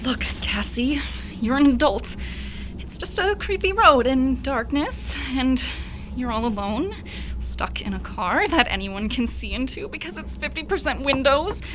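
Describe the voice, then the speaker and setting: A woman's voice: high-pitched, animated, measured pace. A woman playing an anxious, sarcastic young fiancée in a horror radio play, with crickets behind her. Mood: nervous. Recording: noisy, insect sounds behind.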